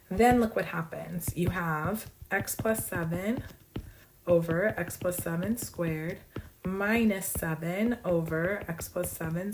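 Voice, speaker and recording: Woman, hoarse, math professor, fast and playful, low-pitched, background noise and clicks. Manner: brisk and bubbly, playful asides. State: losing her voice, hoarse. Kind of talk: fast exam walkthrough.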